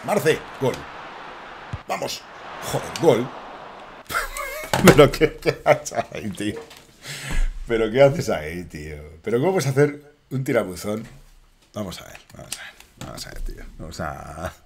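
A man with a Spain Spanish accent streaming live gameplay commentary, joking and excitable with swearing banter. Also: lowish voice, a little hiss or hum. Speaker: gaming streamer.

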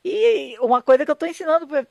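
Older Brazilian woman, interview guest. Gravelly fry in the voice, dry close sound, emphatic but conversational delivery. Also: high voice, lively intonation, fast talker, a little mellow, no echo. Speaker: radio drama writer and director, interview guest. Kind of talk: conversational interview, explaining her work.

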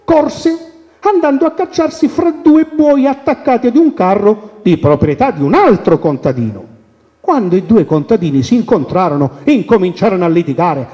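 An animated storyteller with a high voice that swoops up and down, telling folk tales with playful asides. His tone is warm and mellow. It is heard through a dull, lo-fi radio recording with a long reverb. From Calabria.

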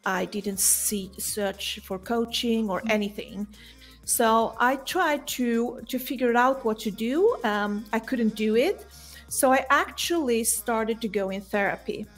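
Speaking a little high and at a slow pace, this middle-aged coach from Sweden recounts her story in a relaxed, conversational way while being interviewed over a video call. She has a Swedish accent and sits indoors in a home room, with soft background music behind her.

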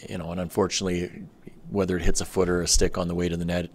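Middle-aged male coach at the press table, low flat voice with gravel, measured and plain. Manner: measured, matter-of-fact, with frequent ums. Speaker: hockey head coach. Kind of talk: post-game press conference answers. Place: press room in front of a sponsor backdrop. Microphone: table microphone on a stand.

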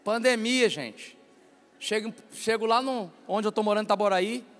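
A male pastor, preaching a loud, joking, animated sermon in a church. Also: high voice, normal speed. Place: church sanctuary. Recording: reverberant church hall with faint music.

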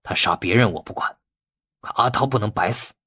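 A man's voice: on the low side, brisk, a bit bright, slightly rough, no room sound, studio quality. A man voicing a young fugitive, loyal and vengeful, in audiobook dialogue. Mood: resolute.

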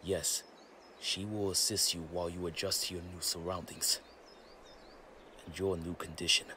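A man playing a calm, wise tribal guide with a formal, measured manner in a motion comic. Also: low-pitched, slight background noise. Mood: courteous. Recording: loud music under the voice. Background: music.

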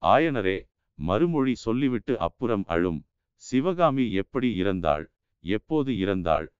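A man's voice: on the low side, very animated, measured pace, smooth, dry recording. A man voicing a young warrior prince who speaks firmly and with authority, in a dull, lo-fi audiobook recording. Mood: stern. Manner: firm, authoritative. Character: young warrior prince, commanding yet restrained.

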